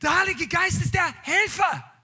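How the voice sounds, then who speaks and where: A man preaching a charismatic sermon to a congregation, emphatic and animated, dropping English words and shouting out exclamations. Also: extremely high pitch, measured pace. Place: church hall with congregation, streamed online.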